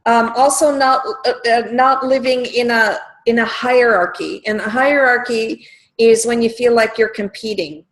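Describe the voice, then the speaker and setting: A woman's voice: a little high, fairly even intonation, normal speed, rough recording. A woman coach leading a group call, encouraging and talking loosely with fillers and restarts.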